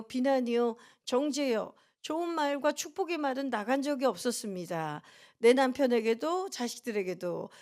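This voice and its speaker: A woman's voice: on the high side, darkish tone. A middle-aged woman pastor preaching a sermon in a church, telling stories earnestly and acting out what people said. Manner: earnest storytelling with acted-out quotes.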